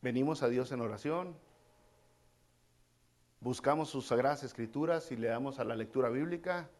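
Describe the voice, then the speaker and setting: A man's voice: mid-range voice, moderate pace, a little mellow. A man preaching a casual, conversational sermon, repeating key phrases and calling his listeners brother. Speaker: pastor.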